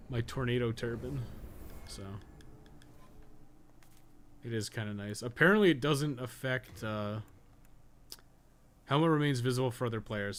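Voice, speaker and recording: A man's voice: mid-range voice, slight background noise. A man giving casual, rambling live commentary while playing a video game, with some swearing and self-amusement. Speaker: video game streamer and podcast co-host.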